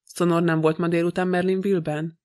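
A man voicing a polite, fussy elderly detective in a flat, even reading. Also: high voice, close to an everyday voice. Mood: courteous.

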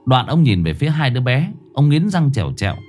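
A man narrating a ghost story in a dramatic manner, slowing down for suspense. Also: mid-range voice, sing-song, darkish tone, faint music behind.

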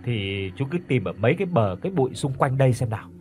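A gruff older village exorcist giving orders in a blunt, steady voice, read by a male storyteller. His tone is plain and commanding, with a lively rise and fall to the lines. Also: mid-range voice, fast talker, soft background music, lightly acted.

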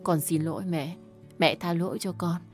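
A woman's voice: fairly low pitch, fairly even intonation, normal speed, music in the background, lightly acted. A woman voicing a frightened young wife and mother who begs forgiveness from her mother-in-law. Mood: pleading. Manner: pleading, apologetic.

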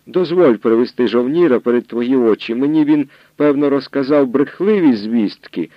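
A man's voice: medium pitch, expressive, moderate pace, no echo, dull audio, pitched above the performer's own voice, close to an everyday voice. A man voicing a timid, hesitant male guard who reports nervously, in an audiobook reading. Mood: anxious.

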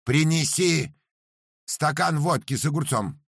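A man's voice: medium pitch, big pitch swings, unhurried, vocal fry, husky, no echo, clean studio sound, pitched above the performer's own voice, exaggerated voice. A man voicing a stern older landowner who gives curt commands. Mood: weary.

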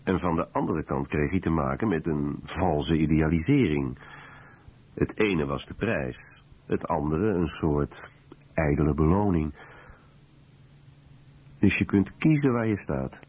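A man reading a scripted documentary voice-over in a measured, serious way. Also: a bass voice, expressive, a little mellow, breathy edge, dull audio.

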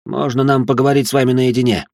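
A man's voice: mid-range voice, fairly even intonation, fast talker, vocal fry, a little mellow, no echo, clean studio sound, pitched above the performer's own voice, close to an everyday voice. A man voicing a frightened, pleading older male jeweler who begs and wails. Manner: begging, wailing.

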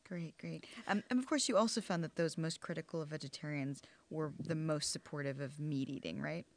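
A woman's voice: deep voice, fairly quick, no room sound. A woman interviewer asking casual, loosely phrased questions in a conversational way.

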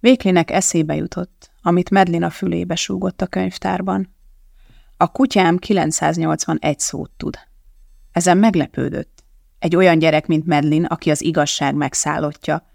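A narrator reads a novel aloud in a steady, measured way. The voice is gravelly with a noticeable creak and sits at a mid pitch. The recording is dry and close. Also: no room sound. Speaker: audiobook narrator. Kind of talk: scripted narration.

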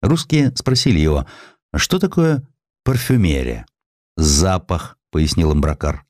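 A man's voice: sits low, big pitch swings, a little slow, a little mellow, no echo, clean studio sound. A man narrating a historical essay as an audiobook, reading expressively and giving the characters voices in their quoted lines.

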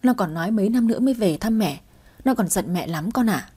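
A woman's voice: medium pitch, lively intonation, brisk, warm tone, slightly rough. A woman voicing a grieving, stubborn old village mother who pleads tearfully. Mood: plaintive.

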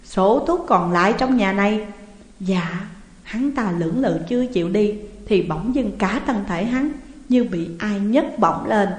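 A woman reading a ghost story aloud with steady, dramatic pacing. Her mid-pitched voice echoes in a roomy space with a long reverb tail. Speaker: narrator.

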